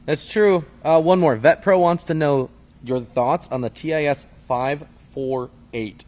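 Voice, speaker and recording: A man's voice: on the high side, a little mellow. A man co-hosting a live show, easygoing and joking, reading out viewer questions. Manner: easygoing, joking, quick asides. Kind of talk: casual chat.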